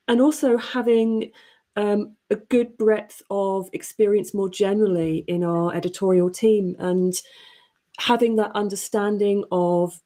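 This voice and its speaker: Mellow-voiced woman on a panel. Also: medium pitch. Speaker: story editor, panelist. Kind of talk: panel discussion, explaining.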